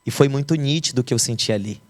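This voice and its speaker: A man's voice: mid-range voice, quick pace. A young adult man from Brazil, a pastor, telling the emotional story of his conversion as a testimony.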